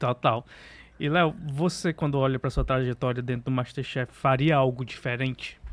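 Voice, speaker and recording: At a moderate pace and medium pitch, a man uses an ordinary speaking voice with fairly even intonation. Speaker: podcast host. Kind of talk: casual interview.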